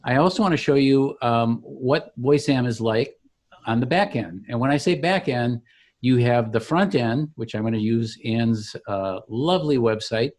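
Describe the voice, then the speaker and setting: A man's voice: mid-range voice, normal speed, a little mellow, slight background noise. A man giving a conversational product demonstration as a company founder, explaining things with enthusiasm.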